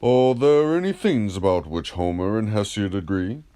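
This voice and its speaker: A man plays a wise ancient philosopher in an audiobook dialogue. He questions politely and methodically in a low, mellow voice, unhurried, with lively rises and falls. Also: clean tone, close to an everyday voice. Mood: patient probing. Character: wise, courteous Greek philosopher, patiently probing.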